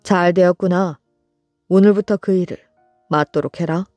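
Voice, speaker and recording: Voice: medium pitch, steady tone, moderate pace, a little mellow, dry recording, soft background music, lightly acted. A narrator voicing an approving, commanding court minister in a bedtime storybook. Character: approving high court minister, older man.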